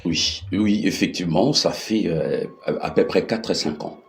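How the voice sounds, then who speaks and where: A middle-aged male interview guest with a Congolese accent. His voice sits low and deep. He explains things conversationally, with halting phrases that he often restarts and repeats. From Democratic Republic of the Congo. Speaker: interview guest, political activist.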